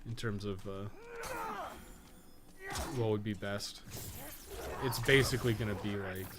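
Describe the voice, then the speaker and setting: In an unhurried, lowish voice with fairly even intonation, a male game streamer and podcast co-host rambles through unscripted play commentary, musing aloud and swearing a lot. The recording carries a clearly noisy background.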